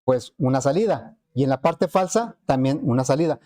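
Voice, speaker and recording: Hombre profesor de programación, voz cálida. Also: male voice, mid-range voice, animated, normal speed, mellow. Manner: explanatory, frequent rhetorical questions to students. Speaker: programming teacher. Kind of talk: classroom lecture.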